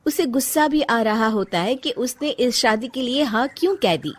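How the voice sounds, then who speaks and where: A woman's voice: on the high side, expressive, normal speed. Woman narrating a cartoon story.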